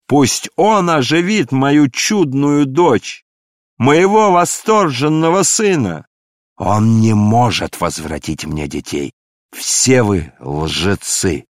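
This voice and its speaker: A man reading aloud and voicing an old father who is furious with grief and shouts curses. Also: lowish voice, no room sound, clean studio sound. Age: older. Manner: shouting, cursing.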